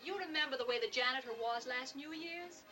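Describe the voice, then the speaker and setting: An actress playing a brisk, businesslike woman organizing a parade in a 1940s film. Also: high voice, pushed and bright, soft background music. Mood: friendly. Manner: brisk, crisp, commanding.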